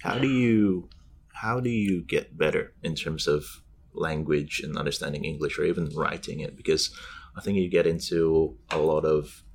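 A man's voice: extremely low pitch, normal speed. A man from Indonesia hosting an interview, asking long rambling questions and giving many short affirmations. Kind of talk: casual interview chat.

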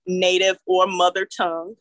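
A woman's voice: lowish voice, level tone, normal speed, a bit bright, no room sound. A woman co-hosting a podcast, explaining a topic with many fillers and restarts. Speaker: podcast co-host. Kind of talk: casual podcast discussion.

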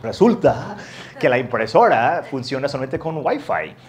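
A man telling a lively, self-mocking anecdote as part of a sermon, jumping into the voices of the people in the story. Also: mid-range voice, normal speed. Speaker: preacher.

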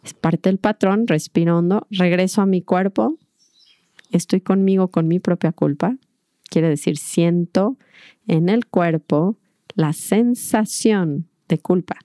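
A woman's voice: fairly low pitch, slow pace, dark tone, dry recording, studio quality. A middle-aged woman gives a reflective, earnest talk to an audience about mindful parenting, acting out little dialogues as she goes.

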